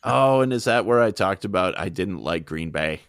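A man's voice: low-pitched, expressive, moderate pace, no room sound, clean studio sound. A man co-hosting a podcast from his home, easygoing and nerdy, chatting casually and correcting details. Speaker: podcast co-host. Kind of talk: casual chat.

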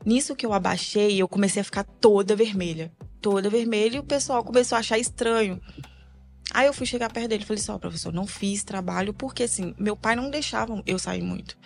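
A woman with a Brazilian Portuguese accent, a podcast guest telling a personal faith testimony in a halting, soft-spoken, emotional way. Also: medium pitch.

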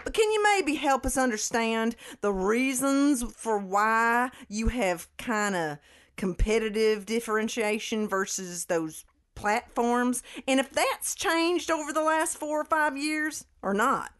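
A woman's voice: fairly high pitch, takes it slowly, a bit bright, slight background noise. A woman playing a financial analyst asking questions in a theatrical earnings-call reenactment. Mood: inquiring. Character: financial analyst probing competitive strategy.

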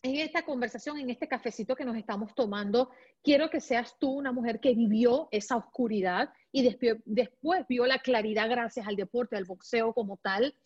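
High-voiced woman interviewer, muffled sound. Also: normal speed, few pauses, darkish tone, slightly rough. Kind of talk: interview questions.

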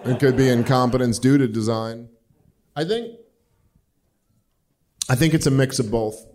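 A man's voice: medium pitch, unhurried, darkish tone, a little hiss or hum. Man, about forty, podcast host, live Q&A, rambling, swears a lot. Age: 40s. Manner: rambling, profane, lots of "like". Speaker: podcast host answering audience questions. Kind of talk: casual live Q&A talk.

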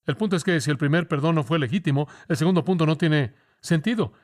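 A male preacher delivering an expository sermon. His voice sits a little high for a man, and he talks slowly and deliberately, stressing key words for emphasis. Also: a little mellow.

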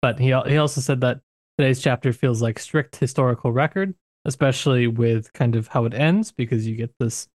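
A man's voice: medium pitch, a little fast, darkish tone, no room sound, clean studio sound. A man co-hosting a book discussion podcast, talking in a thoughtful, searching way with frequent restarts. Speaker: podcast co-host.

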